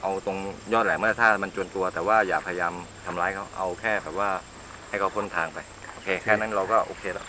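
A man quickly explaining the next task to his friends outdoors at dusk and directing what they should do. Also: low voice, fairly even intonation. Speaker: vlogger giving the group its tasks. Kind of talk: casual instructions to companions. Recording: outdoor camera audio with loud insect noise. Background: crickets and insects.

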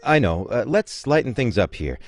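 A man plays a breezy hospital doctor in a comic audio drama. He is glib and chatty, with a mid-pitched voice that swings around a lot, over some music. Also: very animated, moderate pace. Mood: jokey, breezy. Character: breezy, corny male hospital doctor dispensing advice. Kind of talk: comedic audio sketch acting.

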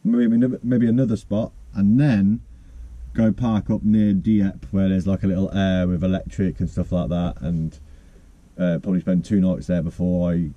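A man's voice: sits low, level tone, moderate pace, dry recording, highs cut off. Chatty man rambling in his van. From United Kingdom. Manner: chatty, rambling, self-mocking. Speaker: van life vlogger. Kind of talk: casual vlog chat. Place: inside a parked van.

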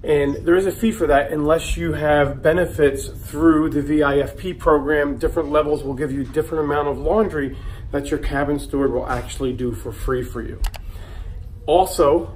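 A man's voice: on the high side, steady tone, moderate pace, darkish tone. Friendly self-deprecating man in an echoey room. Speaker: travel vlog host. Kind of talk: casual how-to vlog narration. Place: cruise ship laundry room. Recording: echoey room, distant mic, hum.

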